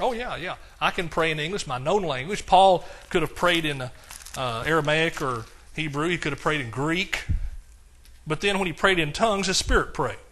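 A man's voice: a little high, pushed and bright. An older man preaching a sermon, reading scripture aloud with rising emphasis and explaining it in a casual, conversational way.

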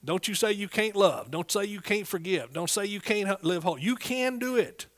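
Preacher, male, middle age. East Texas accent, pitch a little high, folksy and emphatic sermon style. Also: animated, moderate pace, a bit bright. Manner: folksy, emphatic, prompts listeners with amens and hallelujahs.

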